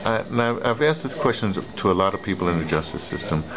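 Gravelly, hesitant male interviewer. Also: fairly low pitch, animated, fast, crowd noise. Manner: hesitant, rambling, many fillers. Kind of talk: casual interview questions. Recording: noisy room ambience.

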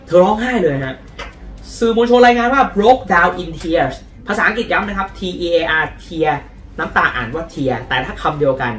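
A man's voice: high-pitched, normal speed, reverberant, far from the mic. Chatty man hosting a football vlog. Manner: chatty, lively storytelling. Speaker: football channel host. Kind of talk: casual football news vlog.

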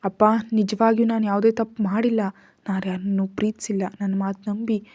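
A gentle, frightened young girl speaks softly and pleadingly, her voice trembling, as a woman narrator gives her lines. The tone is mellow and subdued. It is spoken audio story. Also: medium pitch, level tone, normal speed, close to an everyday voice.

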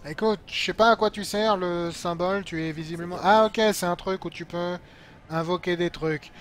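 Over clearly audible video game noise and ambience, a high-voiced man streams and comments live in a laid-back, colloquial, slightly sarcastic way. His tone stays steady and his pace moderate.

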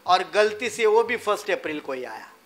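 With big swings in pitch, a high-voiced man speaks at a moderate pace in a public lecture. He throws rhetorical questions at the audience and mocks those he quotes.

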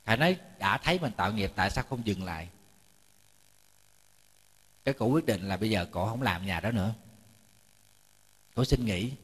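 Monk preaching in a hall. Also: male voice, fairly low pitch, animated, normal speed, long pauses, a bit bright, husky. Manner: chatty storytelling, repeats words while searching; jokes with the audience. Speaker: Buddhist monk giving a dharma talk. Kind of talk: storytelling sermon. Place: temple lecture hall. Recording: reverberant hall.

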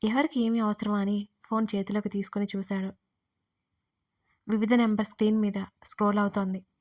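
A woman storyteller narrating a romance audio story in an expressive storytelling manner. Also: mid-range voice, a little fast.

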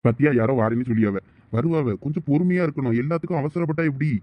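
A man's voice: on the high side, rapid-fire, muffled recording, natural voice. A man playing a patient village husband, chiding and reassuring in a Thoothukudi Tamil accent.

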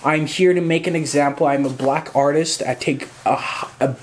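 A man's voice: a little high, fairly even intonation, normal speed. Chatty young man vlogging at home. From Zimbabwe. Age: 20s. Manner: chatty, rambling, gestures with hands, swears casually. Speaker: photographer and YouTuber. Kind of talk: casual vlog Q&A. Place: small indoor room at home.

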